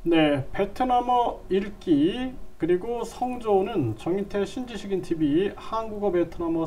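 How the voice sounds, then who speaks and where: An older man teaching a language lesson, patiently repeating phrases and dropping his voice low on side remarks. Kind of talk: lecture with repeated drills.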